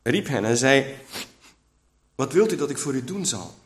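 A man's voice: mid-range voice, sing-song, moderate pace. A man teaching from the Bible in a conversational way, often checking in with his listeners. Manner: chatty, keeps checking in with listeners. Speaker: preacher.

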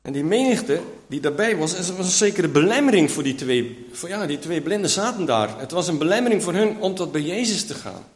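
A man's voice: on the high side, lively intonation, brisk, few pauses. A man teaching from the Bible in a conversational way, often checking in with his listeners. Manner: chatty, keeps checking in with listeners. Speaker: preacher.

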